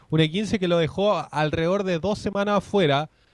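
Recorded very cleanly against a silent background, a high-pitched man talks at a moderate pace with ordinary pitch variation in a dry, close sound with no echo. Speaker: sports reporter. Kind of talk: sports radio report.

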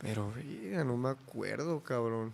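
A man speaks at medium pitch with ordinary pitch variation. His pace is very slow. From Guadalajara, Mexico. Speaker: rapper. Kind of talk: casual chat.

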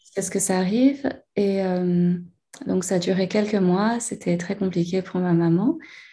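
A somewhat breathy woman's voice of medium pitch with a dark, mellow tone, fairly slow pace and ordinary pitch variation, on a very clean recording with a silent background. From Paris, France. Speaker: ocean and dolphin advocate. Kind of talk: interview conversation. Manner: halting, with frequent repetitions.

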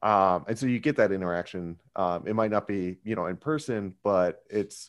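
Speaking with an American accent in a plain, everyday voice, this speaker moves at a fairly quick pace with ordinary pitch variation against a quiet background. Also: man. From Tucson, Arizona. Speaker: iOS developer. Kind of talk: casual interview.

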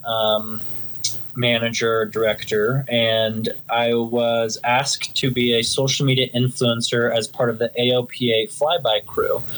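A man with an American accent and an ordinary speaking voice, medium in pitch, with fairly even intonation. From Southern California. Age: 20s. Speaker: pilot and military veteran. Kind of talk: podcast interview.

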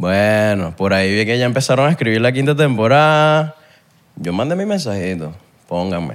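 With a Venezuelan accent, a man of medium pitch talks at a moderate pace, his pitch swinging very widely. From Venezuela (Valencia). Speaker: actor. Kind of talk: casual chat. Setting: studio.

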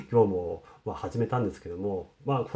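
Somewhat breathy, a man's voice sits at a fairly low pitch. His tone is dark and mellow, and his intonation lively. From Japan, Chiba (Funabashi). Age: 30s. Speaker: financial analyst. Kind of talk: casual vlog monologue. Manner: hesitant, many fillers.

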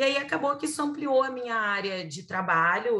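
A woman speaks with a slight gaúcho accent in a bright, sharp tone. Her intonation is lively and her pace moderate. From southern Brazil (Rio Grande do Sul). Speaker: nutritionist and professor. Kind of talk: podcast interview.

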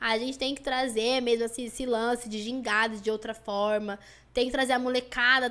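Intonation stays fairly even while the pace holds moderate. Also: woman. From São Paulo, Brazil (city centre). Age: 20s. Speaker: DJ. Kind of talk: casual chat.

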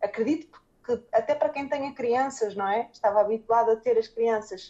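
Dark and mellow in tone, a fairly high female voice. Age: 30s. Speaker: coach and mentor. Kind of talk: conversational interview. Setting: Instagram live video call.

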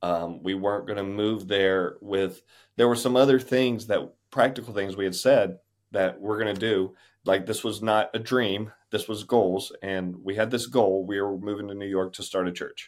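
A man with a Louisiana accent speaks with fairly even intonation. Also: fairly low pitch for a man, moderate pace. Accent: Southern US (Louisiana). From US South, Louisiana (Moss Bluff). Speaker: pastor. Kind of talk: casual interview.

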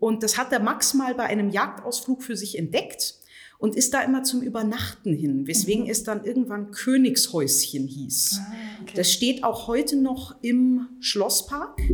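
A woman's fairly high voice with very wide pitch swings, a moderate pace and a slight Bavarian accent. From Bavaria, Uffing am Staffelsee. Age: 30s. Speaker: castle tour guide. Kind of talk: interview.

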